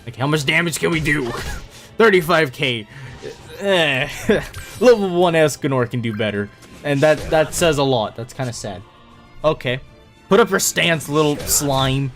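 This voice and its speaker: A man's voice: a little high, animated, unhurried, a bit bright. Rambling man narrating his own gameplay. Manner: rambling, self-mocking, laughs often. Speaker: gaming YouTuber. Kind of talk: casual gameplay commentary. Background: faint game music.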